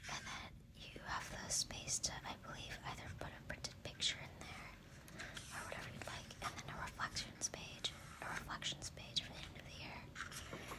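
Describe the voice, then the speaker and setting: Noticeable background noise surrounds someone whispering. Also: moderate pace. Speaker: booktube / ASMR content creator. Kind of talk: ASMR unboxing, whispered talk to camera. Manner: whispered, soft-spoken.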